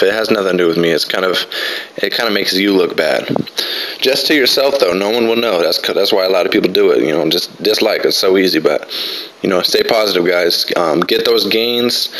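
A man in his twenties giving relaxed, rambling voice-over commentary on his own workout, full of fillers. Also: lowish voice, rough recording. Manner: laid-back, rambling, many fillers. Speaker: fitness vlogger.

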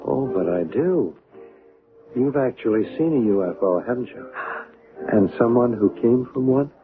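Actor as mysterious earnest stranger, tinny radio. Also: male voice, medium pitch, lively intonation, normal speed, over music, natural voice. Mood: earnest, insistent. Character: short mysterious male stranger, earnest, smooth-mannered and insistent. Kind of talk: 1970s radio drama acting. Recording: narrow tinny old radio broadcast.

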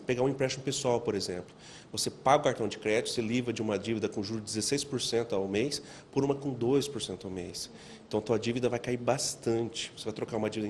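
A Brazilian man in his forties gives explanatory interview answers. He talks quickly in a mid-pitched voice. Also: a little hiss or hum. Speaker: financial expert interviewee. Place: indoor office. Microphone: handheld interview microphone.

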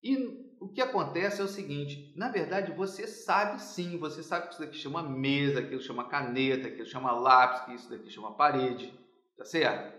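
A man's voice: on the high side, moderate pace, bright, forceful tone, echoey room. A businessman who runs an English school, explaining in a teaching manner during an interview and checking in often with his listener. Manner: didactic, checks in with "tá certo?" often.

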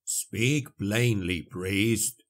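Casting: male reader as grim dwarf fighter, slow, low, muttered gruff orders, impatient temper, fantasy audiobook. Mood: gruff, grudging. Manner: grunting, muttering, terse commands.

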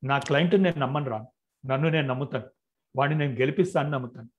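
A man reading the lines of a calm, unflappable senior male lawyer, curt and cool. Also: mid-range voice, rapid-fire, muffled recording, natural voice.

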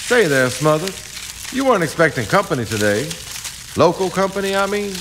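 An actor playing a brash, sly keelboat captain in a period radio drama, swaggering, needling and folksy with false friendliness. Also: male voice, high-pitched, very animated, normal speed. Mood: smooth, sly. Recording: faint background noise and ambience.

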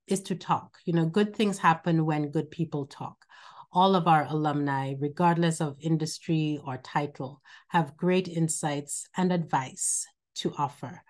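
A woman's voice: low voice, a little mellow. A woman welcoming students and alumni at an online event and introducing the keynote speaker, often repeating words as she talks off the cuff. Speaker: college dean hosting an alumni event. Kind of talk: welcome speech over video call.

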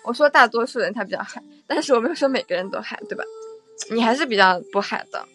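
A young woman chats casually on her livestream, playful and teasing, often saying things twice. Her voice sits a little high. Faint music plays behind her. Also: animated, fast talker, sharp tone. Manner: playful and teasing, repeats phrases. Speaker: livestream host. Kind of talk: casual livestream chat with viewers.

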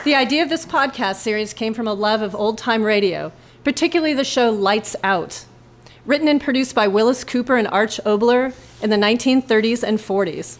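Female host-narrator for live radio plays, voice a little high, scripted delivery. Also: brisk. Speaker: host and writer. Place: live in a club.

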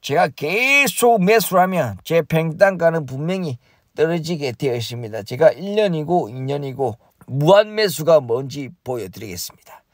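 A man's voice: fairly high pitch, lively intonation, normal speed, dry recording, studio quality. A man hosting a comic stock vlog, groaning and complaining in an exaggerated way. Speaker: stock investing YouTuber.

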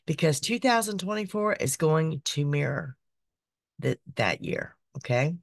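A woman, hosting a psychic podcast, her voice raspy from being sick, chatty and repetitive. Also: sits low, expressive, a little slow, no room sound, clean studio sound. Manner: chatty, repeats phrases, frequent "okay". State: raspy voice from illness. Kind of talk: casual monthly horoscope reading. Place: small decorated home room.

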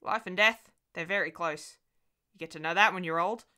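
A woman's voice: lowish voice, normal speed, sharp tone, clean tone. A woman voicing a crazed old woman who lives in a condemned house, speaking in clipped, brooding phrases that rise into agitation. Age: older.

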